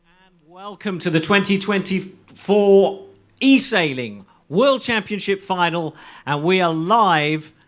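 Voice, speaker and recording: A man's voice: high-pitched, animated, takes it slowly. A man hosting a live event broadcast, presenting in an upbeat, enthusiastic way. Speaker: event host.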